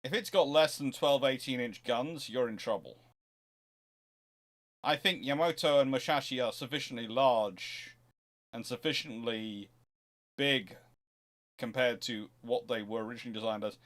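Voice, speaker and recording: A man's voice: mid-range voice, moderate pace, pauses often, fairly bright tone. A man hosting an informal expert question-and-answer talk, discursive and often breaking off to rephrase his sentences as he thinks aloud. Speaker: host answering viewers' history questions.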